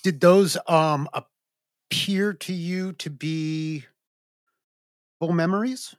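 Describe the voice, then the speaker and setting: A man's voice: on the high side, steady tone, drawn-out words, no echo, clean studio sound. A man co-hosting a podcast discussion, asking curious follow-up questions. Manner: inquisitive, asks follow-up questions.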